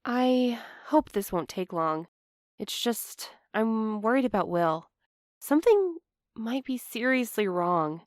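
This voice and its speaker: A woman playing an anxious, apologetic young postal worker in a fiction podcast, earnest and halting in her delivery. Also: a little high, very animated, no echo, studio quality. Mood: anxious, defensive. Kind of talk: fiction podcast audio drama acting.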